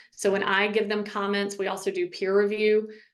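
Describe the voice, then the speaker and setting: A woman's fairly high voice with audible room echo. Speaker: academic writing coach and professor. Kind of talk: webinar presentation. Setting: online webinar.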